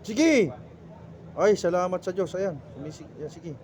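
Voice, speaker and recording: High voiced filipino guy doing a healing ritual, barking orders, scolding, faint noise outside. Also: animated, measured pace, a little mellow. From Philippines. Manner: urgent, commanding, scolding. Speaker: folk healer.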